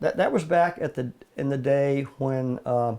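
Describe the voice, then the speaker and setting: With an American accent, a man talks at a moderate pace in a fairly high pitch, his dark, mellow tone carrying ordinary pitch variation. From US Midwest, Kansas City, Missouri. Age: 80s+. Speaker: Olympic rower. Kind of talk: interview storytelling. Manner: hesitant, many fillers.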